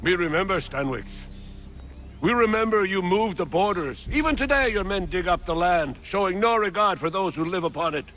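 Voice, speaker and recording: A man's voice: sits high, lively intonation, normal speed, a bit bright. A proud, defiant tribal spokesman. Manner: firm, grave and defiant.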